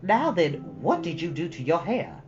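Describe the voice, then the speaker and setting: A woman's voice: lowish voice, sing-song, normal speed, a little mellow, lo-fi sound, voice pushed up. A woman voicing a stern older female guardian in a storybook reading, severe, blunt and sarcastic. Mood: exasperated.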